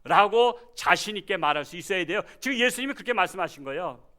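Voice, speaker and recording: A man in his sixties, a pastor giving a Sunday sermon in a folksy, joking way, jumping from loud cries to quiet asides. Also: high-pitched, fast. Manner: animated, swinging from loud exclamations to quiet asides.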